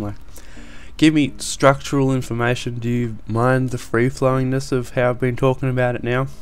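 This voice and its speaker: Audible room echo follows a man speaking at a fairly quick pace and medium pitch. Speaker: YouTuber vlogger. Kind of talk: casual monologue vlog. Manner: fast; free-flowing, rambling.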